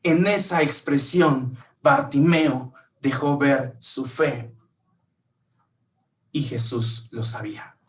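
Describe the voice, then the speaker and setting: Preacher, heard from afar. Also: male voice, mid-range voice, slow, far from the mic. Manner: storytelling, asks the listeners questions. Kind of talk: sermon. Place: church.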